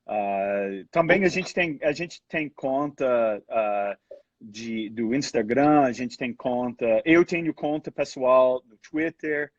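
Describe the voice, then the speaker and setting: A man's voice: medium pitch, takes it slowly, dry recording, highs cut off. A man answering as a guest fund manager in a casual interview, hesitant, full of fillers and restarts.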